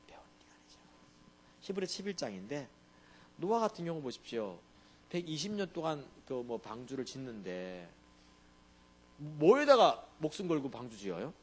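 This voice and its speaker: Lively conversational male pastor preaching. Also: mid-range voice, slight background noise. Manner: conversational, often asks the congregation to agree. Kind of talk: sermon.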